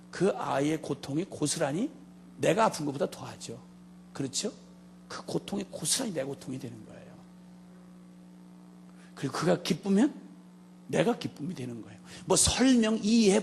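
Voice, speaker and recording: Animated gravelly middle-aged man preaching. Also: a little high, normal speed, pauses often, a little hiss or hum. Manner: animated storytelling, swings between loud and hushed; joking, addresses the congregation directly. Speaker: missionary preacher. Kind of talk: sermon.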